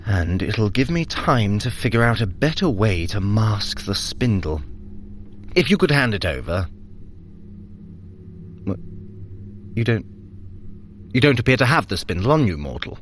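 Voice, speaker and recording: An actor playing a sly, vain trickster god in an audio drama, sardonic and theatrical, sharp-tongued with a fretful edge. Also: male voice, fairly low pitch, sing-song, measured pace, pauses often, a little hiss or hum. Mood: hushed, uneasy. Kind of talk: audio drama acting, addressing the listener.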